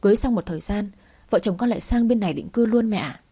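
Giọng nữ đọc người chồng ích kỷ nài nỉ qua điện thoại. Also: female voice, medium pitch, fast talker, warm tone, husky. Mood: pleading. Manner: pleading, insistent. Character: adult son, selfish pleading husband abroad. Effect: phone call.

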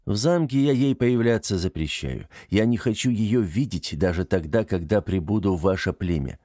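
A man's voice: fairly low pitch, lively intonation, moderate pace, warm tone, dry recording. A man voicing a proud, stern tribal chief in an audiobook, giving orders in a dry, harsh and emphatic way. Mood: harsh, commanding.

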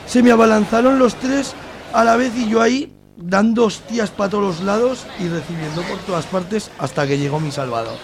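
A man playing an excitable bar regular who tells brawling tales in a radio comedy. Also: high-pitched, moderate pace, background noise, natural voice. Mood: excited, indignant. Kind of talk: amateur radio soap comedy.

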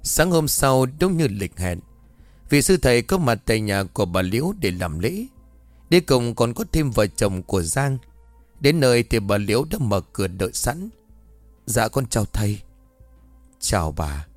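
A man narrating a ghost story in a measured, scripted way. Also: medium pitch, no room sound. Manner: even, measured storytelling with voiced dialogue. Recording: dry voice over faint music.

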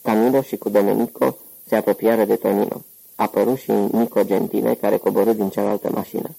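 Male narrator, audiobook, deep, gravelly, husky, dark tone. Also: little pitch movement, low-quality recording. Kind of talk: scripted narration.

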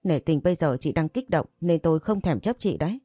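A woman's voice: low-pitched, animated, brisk, dark tone, dry recording. A woman voicing a hot-tempered young husband who scolds and threatens to defend his wife, in a storybook reading. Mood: angry.

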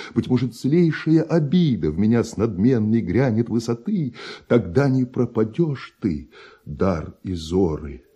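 A very dark, husky male voice plays a grim, envious composer in a classic radio tragedy. He declaims verse slowly and solemnly, with weighty pauses, over soft music. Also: fairly low pitch, dull audio, full character voice. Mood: feverish, agitated. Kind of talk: theatrical verse monologue, classic Russian radio play.

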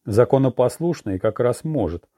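A man voicing a stern, blunt middle-aged police commissar who speaks gruffly and sarcastically in an audiobook. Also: mid-range voice, lively intonation, normal speed, warm tone, no room sound, clean studio sound, lightly acted.

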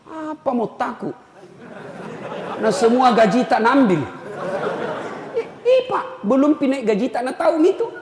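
A man preaching a humorous sermon to a crowd, animated and teasing, shouting his points. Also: extremely high pitch, measured pace, long pauses. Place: large echoey hall with audience. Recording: echoey hall, long reverb, faint noise.

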